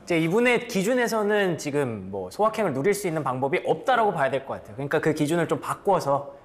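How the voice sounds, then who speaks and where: A man's voice: a little high, big pitch swings, fast talker. A man hosting a career advice talk show who asks the panel short questions and laughs easily. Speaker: host.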